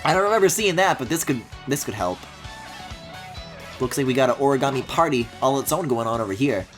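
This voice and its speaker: Expressive male game streamer, lively pitch. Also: a little fast. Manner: expressive, thinking aloud. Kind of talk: casual live game commentary. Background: game music.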